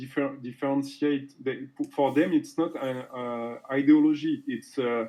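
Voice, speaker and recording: The man's voice is fairly high in pitch and carries a French accent. His intonation stays fairly even. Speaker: political commentator. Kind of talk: interview conversation. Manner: halting, searching for words.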